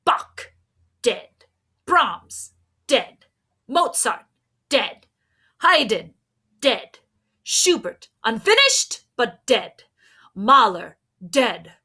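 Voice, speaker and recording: A young woman giving an expressive storybook read-aloud, like a teacher, indoors on a laptop mic. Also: fairly high pitch, very slow, long pauses, husky.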